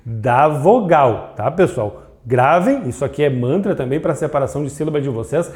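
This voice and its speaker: In a video grammar lesson, a man with a mid-range, darkish voice walks through the material step by step at a moderate pace. His intonation is lively, and he poses questions only to answer them himself, stretching out syllables to demonstrate them.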